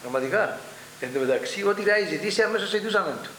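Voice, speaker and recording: An older man with a Cypriot Greek accent, recalling past events in an oral history interview and acting out the dialogue as he tells it. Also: sits high. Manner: animated storytelling, acts out dialogue. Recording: echoey room with faint hum.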